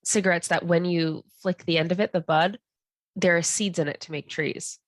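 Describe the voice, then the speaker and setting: A woman co-hosting a casual podcast, her voice stuffy from a head cold. She jokes at her own expense as she tries the quiz. Her voice is on the low side for a woman, recorded dry and close. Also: fairly even intonation, normal speed, dry recording. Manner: self-deprecating, jokey. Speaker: podcast co-host.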